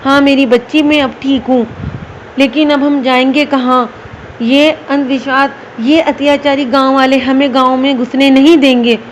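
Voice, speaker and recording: A woman's voice: high voice, fairly even intonation, moderate pace, slight background noise, lightly acted. Woman voicing a poor pleading widowed mother. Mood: worried.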